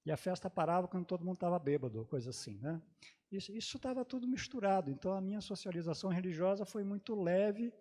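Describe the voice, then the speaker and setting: Halting man recalling his childhood. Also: high voice, lively intonation, mellow. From Brazil, grew up in Santa Catarina. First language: German dialect. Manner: halting, many hesitations and restarts. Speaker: panelist at a theology congress. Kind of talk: personal recollection in a panel talk.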